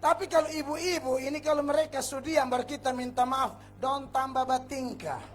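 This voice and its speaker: A male pastor preaching a revival sermon, telling a personal story with hushed asides and sudden shouts. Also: extremely high pitch, moderate pace. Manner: animated storytelling, acts out scenes, shifts between hushed and shouting. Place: large revival meeting.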